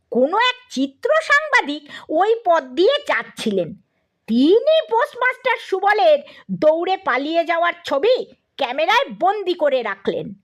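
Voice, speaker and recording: A woman narrating a scripted comic story as an audiobook reader. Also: extremely high pitch.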